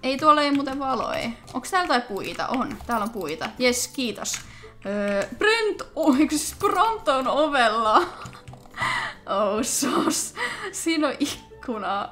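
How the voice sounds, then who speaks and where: A young Finnish woman hosts a let's play, talking to her viewers as she plays. Her voice sits a little high and her chatter is quick and excitable. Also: soft background music. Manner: chatty, excitable, talks to viewers while playing. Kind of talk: casual gameplay commentary.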